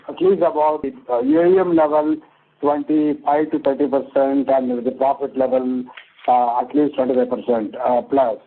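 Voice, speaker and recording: Halting Indian businessman on a phone line. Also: medium pitch. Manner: halting, repetitive, full of "you know". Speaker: company executive answering investor questions. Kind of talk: unscripted earnings call answers. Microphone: conference phone call. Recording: muffled narrow phone line.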